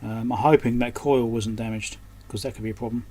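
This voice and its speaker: This repairer keeps a steady tone and a brisk pace, his mid-range voice slightly dark, as he presents a repair at his workbench. He mutters and reasons aloud casually while working, and background noise is clear.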